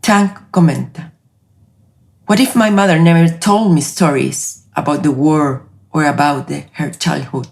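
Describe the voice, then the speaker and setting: A woman in her late forties with a Chilean accent, hosting her own podcast in a reflective, measured, personal narration. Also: low-pitched, gravelly, a little mellow. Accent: Chilean Spanish. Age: 40s. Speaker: podcast host.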